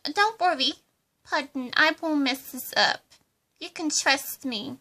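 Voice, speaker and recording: A giddy, unhinged villainess gushes in a very high, bright voice with a put-on accent, as a woman acts her out. Her words come slowly and sing-song, eager to please. It is a homemade fan roleplay. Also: full character voice. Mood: manic.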